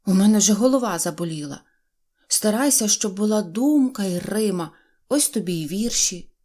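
A woman's voice: medium pitch, expressive, moderate pace, warm tone, lightly acted. A woman voicing a fussy, self-important tiny poet man who lectures in a teacherly way. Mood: exasperated.

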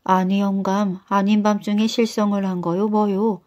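A woman voicing a sharp-tongued village wife who snaps back at her husband. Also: medium pitch, flat delivery, moderate pace, natural voice. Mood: indignant. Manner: retorting, indignant.

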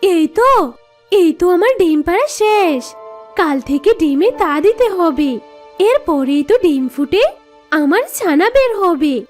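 A woman's voice: very high-pitched, expressive, slow, faint music behind, full character voice. A woman voicing a naive, anxious little mother bird in a children's cartoon, fretful and earnest. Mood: anxious resolve.

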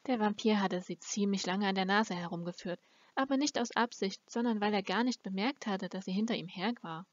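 A woman's voice: medium pitch, a little fast, dry recording. A woman reading a fantasy novel aloud as an amateur audiobook narrator. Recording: dull, lo-fi close recording.

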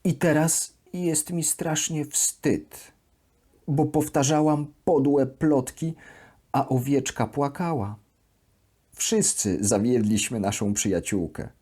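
A woman voicing a sweet, naive plush duck who tells her diary as a children's bedtime audio story, in an expressive, deliberate way. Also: rumbling low, breathy edge, heavily acted. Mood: ashamed, earnest.

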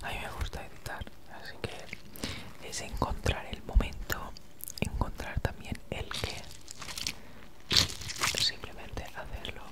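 A woman in her thirties with an accent from Spain chats casually in breathy, unvoiced ASMR whispers, very close to the mic, right in your ear, with a noticeable S sound. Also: takes it slowly, long pauses. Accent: Spanish from Spain. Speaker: ASMR creator. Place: small home room, indoors. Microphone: handheld recorder with foam windscreen, very close.

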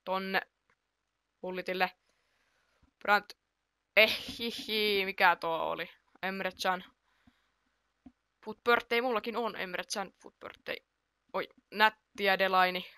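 A woman chatting through her football video game match, excitable, reacting aloud to each play and laughing at her own mistakes. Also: mid-range voice, long pauses, smooth, no echo. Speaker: gaming YouTuber. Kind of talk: casual gameplay commentary.

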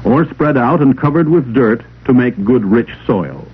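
A man reading scripted instructional narration for a 1950s classroom film in a measured, didactic way. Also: medium pitch, animated, slightly rough. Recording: old 16mm film soundtrack, narrow telephone-like band.

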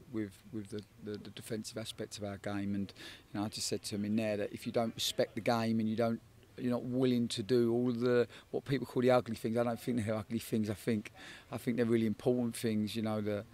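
A man in his forties, a football head coach, giving a measured post-match interview outdoors at a night stadium, often repeating words as he thinks. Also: lowish voice, flat delivery, a little mellow, a little hiss or hum. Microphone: handheld interviewer microphone.

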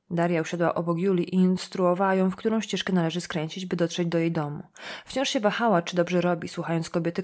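A woman reading a novel aloud as an audiobook narrator, in steady, even storytelling. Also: fairly low pitch.

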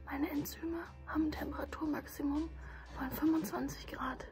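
A young woman, a fellow student, joking in a hushed voice in a quiet library. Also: high voice, fairly even intonation, normal speed, soft background music.

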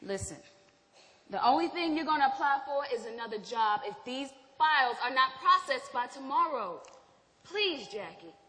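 Actress as a flustered wife, high bright voice. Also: female voice, very animated, normal speed. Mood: exasperated. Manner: flustered, pleading, exasperated. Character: Gloria, nervous, exasperated wife under her husband's thumb. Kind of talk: theatrical stage play acting. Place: stage in a theatre hall. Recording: echoey theatre hall.

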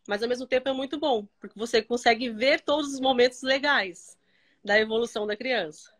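A woman's voice: a little high, fairly quick, fairly bright tone. A woman from Brazil, a guest influencer, telling stories in casual chat over a video call from her bedroom. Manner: chatty, storytelling, many fillers. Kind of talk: casual live-stream chat. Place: bedroom at home. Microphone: home video call.

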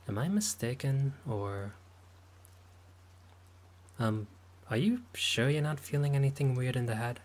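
A man voicing a friendly, caring male vampire lord who talks politely and eagerly, sometimes flustered, in an audio roleplay. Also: medium pitch. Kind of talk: audio roleplay monologue to the listener.

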